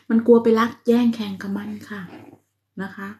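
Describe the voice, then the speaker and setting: Soft-spoken teasing middle-aged woman, slightly high. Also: little pitch movement, measured pace. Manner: speaks softly, sometimes whispering. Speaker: livestream host reading viewer comments. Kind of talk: late-night live chat. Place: home at night.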